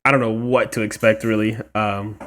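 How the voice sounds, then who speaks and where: A man's voice: lowish voice, flat delivery, moderate pace, a bit bright, slight background noise. A man hosting a casual let's play, chatting informally and reacting aloud to the game. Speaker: gaming video host.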